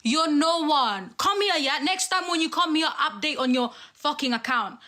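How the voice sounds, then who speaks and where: Young woman, aggressive, swearing, high bright voice, livestream rant. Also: animated, moderate pace. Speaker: daughter arguing on a livestream.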